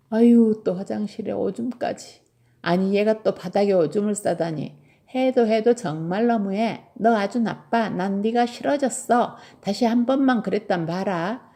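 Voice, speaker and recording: A woman's voice: medium pitch, dark tone, natural voice. A woman voicing a stubborn young girl, scolding and emphatic, in a storybook read-aloud. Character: young girl, bossy and stubborn with her bear.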